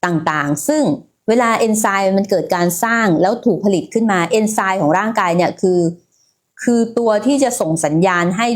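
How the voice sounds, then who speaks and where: A woman's voice: mid-range voice, a little fast. Woman doing a chatty health livestream, lots of fillers, talks right to her viewers. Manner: chatty, many fillers, addresses viewers directly. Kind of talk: casual livestream health talk.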